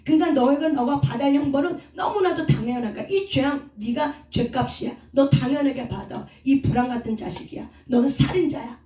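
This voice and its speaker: A woman's voice: high-pitched, fairly quick, few pauses, dark tone, soft background music, lightly acted. A woman preacher voicing a spiteful man who jeers at and curses a king, in a roomy recording from a distant mic. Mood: angry, jeering. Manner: jeering, contemptuous scolding.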